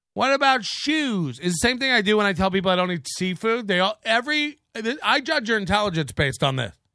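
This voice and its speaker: A man with an American accent speaks in a raised, projected voice at a moderate pace, high in pitch with very wide pitch swings and a bright, sharp tone, on a very clean recording with a silent background. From Florida. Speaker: podcast host. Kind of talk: casual chat.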